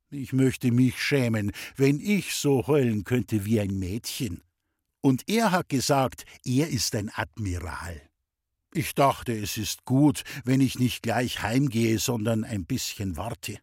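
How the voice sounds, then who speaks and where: A male reader telling a story with a husky, slightly breathy voice and a lively, swinging intonation. His delivery is expressive, and the sound is close and dry. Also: medium pitch, no echo. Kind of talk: storybook reading.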